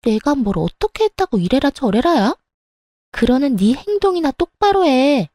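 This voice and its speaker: A woman's voice: animated, normal speed, dark tone, no room sound, studio quality, lightly acted. A woman voicing a rude, hot-tempered young sister-in-law who curses and mocks. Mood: furious. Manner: shrill, cursing, scornful.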